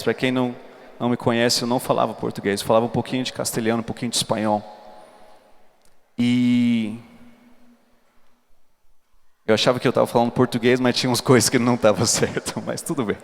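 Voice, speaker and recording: A man's voice: mid-range voice, vocal fry. A man preaching a personal testimony to a church congregation, speaking earnestly and with emphasis. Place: large church hall. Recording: reverberant church hall.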